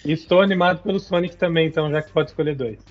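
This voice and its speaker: A man's voice: fairly high pitch, steady tone, racing, dull audio, soft background music. A man co-hosting a casual podcast chat, thoughtful and enthusiastic. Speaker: podcast co-host.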